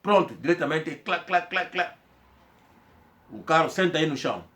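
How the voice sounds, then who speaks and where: Man, slightly high voice, casual rambling storyteller who repeats himself and acts out what people said. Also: lively intonation, normal speed, sharp tone. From Angola. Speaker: commentator telling a personal story.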